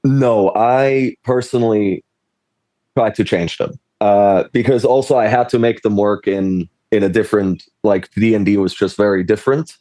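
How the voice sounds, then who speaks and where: Man, low voice, dry sound. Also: fairly even intonation, moderate pace, mellow, no room sound. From Switzerland. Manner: rambling, self-interrupting, laughs often. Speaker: panelist, game designer. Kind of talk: casual panel discussion.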